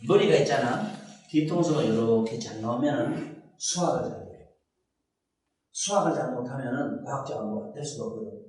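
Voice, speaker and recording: An older man gives a gentle dharma talk, acting out little dialogues as he speaks with a child. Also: medium pitch, expressive, normal speed. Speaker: Buddhist dharma teacher. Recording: echoey hall, heard from a distance.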